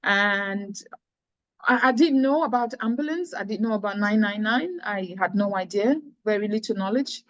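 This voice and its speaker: A woman's voice: medium pitch, moderate pace, no room sound, dull audio. A middle-aged woman from Cameroon, a charity founder earnestly telling her personal story in an interview, often restarting her phrases.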